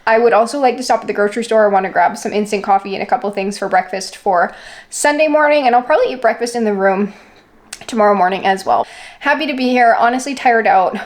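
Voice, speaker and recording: A travel vlogger chats casually to camera in a fairly high-pitched voice, talking fast. She's informal and conversational, sprinkling "like" throughout.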